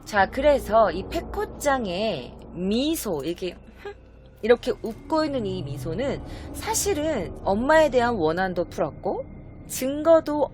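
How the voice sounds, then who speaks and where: Brief: woman storyteller, casual spooky tale, very lively pitch, faint background hiss. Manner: chatty, animated, acts out short quoted voices. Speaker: YouTube storyteller.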